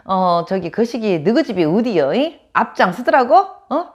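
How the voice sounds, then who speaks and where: A woman's voice: medium pitch, big pitch swings, normal speed. A woman putting on a brash Jeolla woman in Jeolla dialect, pushy and teasing with rising questions.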